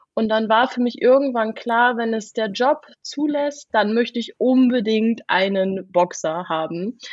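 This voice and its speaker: At a fairly slow pace, a woman with a plain, everyday voice speaks at a fairly high pitch with ordinary pitch variation. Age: 30s. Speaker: pet influencer. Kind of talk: podcast interview. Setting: studio.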